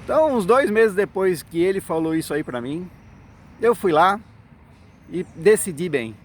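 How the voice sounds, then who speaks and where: A man's voice: sits high, expressive, normal speed, a little hiss or hum. A middle-aged man telling his own story in a monologue. He acts out the quoted dialogue and keeps checking in with "né?" and "certo?". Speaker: former congregation elder telling his story.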